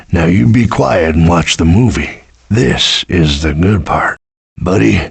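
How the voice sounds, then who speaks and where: An actor playing a big, gruff, menacing bear in a video game, with a gravelly growl and a swaggering manner. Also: male voice, sits low, dry recording, exaggerated voice. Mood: smug amusement. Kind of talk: video game character voice acting.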